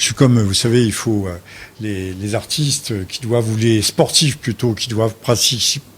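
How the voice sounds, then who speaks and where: A man with a medium pitch speaks at a moderate pace, his voice somewhat breathy. His pitch varies in an ordinary way. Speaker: essayist and journalist. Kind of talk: conference talk. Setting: conference room with live audience. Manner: halting, many repetitions.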